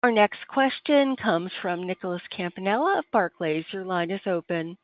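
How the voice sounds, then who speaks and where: A woman's voice: medium pitch, expressive, moderate pace, dry recording. A woman announcing formally as the operator of a conference call, using scripted phrases. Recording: dry, slightly dull call audio.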